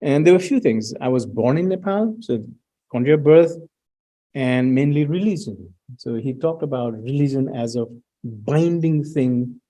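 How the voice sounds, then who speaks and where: A middle-aged man presenting research findings at an academic talk, pausing often with fillers and restarts. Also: mid-range voice, animated, dark tone, rough recording. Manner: hesitant, many fillers and restarts, reads out student quotes.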